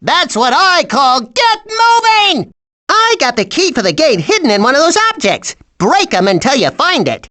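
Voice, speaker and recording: A brash hustler bird from a video game. The voice is bright and piercing, leaping around in pitch. It wisecracks with bossy sarcasm. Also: female voice, sing-song, normal speed. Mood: sardonic. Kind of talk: video game character voice acting.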